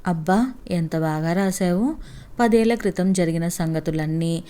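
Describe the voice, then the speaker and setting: A woman's voice: lowish voice, a little slow, dark tone, clean tone, close to an everyday voice. A woman voicing an affectionate young husband in a read-aloud story, teasing and coaxing his wife. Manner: teasing, pleading.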